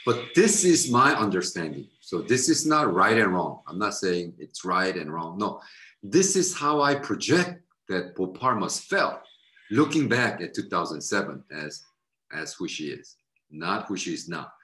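Man, middle-aged, low voice, lively pitch swings, frank lecturing, webcam mic, echoey room. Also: a little slow. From United States. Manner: frank, repeats words, jumps to high pitch for quoted voices. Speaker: missionary lecturer. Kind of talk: recorded slide lecture. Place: indoor room, recorded on webcam beside slides.

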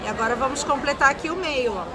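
A woman's voice: high-pitched, quick pace. A young Brazilian woman giving a casual hands-on craft demonstration. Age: young adult. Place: craft booth in a large indoor fair. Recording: very loud crowd, noisy fair hall.

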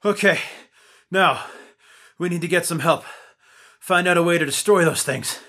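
A man's voice: high-pitched, moderate pace, bright, forceful tone, heavily acted. An actor playing an earnest, easily exasperated male investigator in an audio drama. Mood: urgent.

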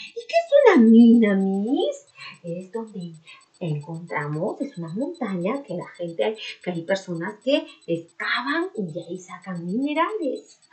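A woman's voice: on the high side, darkish tone. Sing-song preschool teacher, woman. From Peru. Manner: slow, sing-song and exaggerated, chanting syllables. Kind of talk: remote lesson for small children.

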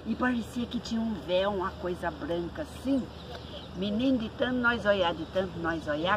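Lively woman storyteller, noisy recording. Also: mid-range voice. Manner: lively, colloquial rural speech, mimics sounds. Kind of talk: oral folk storytelling.

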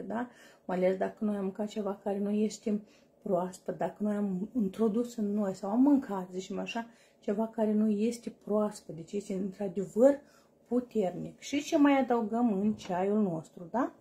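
Chatty woman with a mellow voice. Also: mid-range voice. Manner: chatty, asks herself questions aloud and answers them. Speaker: home cooking channel host. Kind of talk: casual kitchen demonstration.

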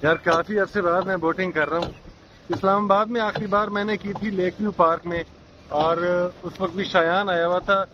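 A young man vlogs at an outdoor amusement park beside a lake, chatting casually and playfully encouraging his child. His high voice has fairly even intonation and a normal speed. It's a muffled outdoor recording with noise.

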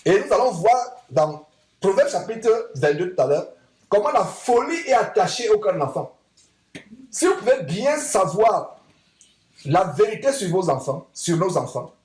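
A man's voice: high voice, very animated, normal speed, a little mellow, reverberant, poor audio. A man preaching a sermon to his congregation, emphatic, asking rhetorical questions and repeating lines. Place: church assembly hall.

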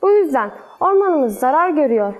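A woman's voice: sits high, very animated, normal speed. A woman voicing a kind, worried black deer in a storybook tale, speaking in an earnest, explaining way.

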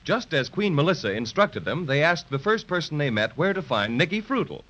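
Casting: male children's story narrator, lively and fairly high, old radio sound. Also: fairly quick. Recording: dull lo-fi 1930s radio transcription.

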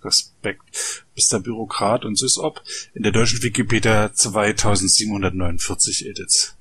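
A man's voice: on the low side, fairly even intonation, normal speed, bright, forceful tone, slightly rough. A man hosting a podcast interview, friendly and direct with his questions. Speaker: podcast host. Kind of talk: casual interview. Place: Berlin.

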